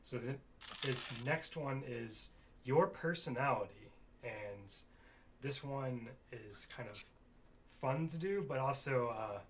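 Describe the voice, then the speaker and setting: A man's voice: mid-range voice, lively intonation, slow, a little hiss or hum. Easygoing man guiding players through charts. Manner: easygoing, laughs lightly, gently encouraging. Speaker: game master.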